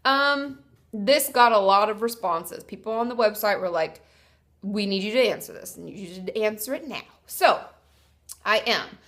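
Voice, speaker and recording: A woman's voice: medium pitch, moderate pace, a bit bright. A young woman therapist with a congested, stuffy voice from a cold. She sounds a little tired as she talks through viewer questions and reads them out in a friendly, explaining way. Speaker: therapist and video host. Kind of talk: casual advice talk to camera.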